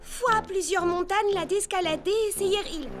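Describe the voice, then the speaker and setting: A woman's voice: very high voice, moderate pace. A woman voicing an earnest, bookish young girl in a children's cartoon, speaking with careful articulation. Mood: concentrating. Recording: loud music behind the dialogue.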